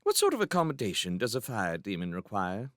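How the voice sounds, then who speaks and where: A man's voice: on the low side, huge pitch swings, brisk, a bit bright, dry recording, studio quality. A man voicing a gracious, opinionated princess in an audiobook. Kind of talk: audiobook character voice.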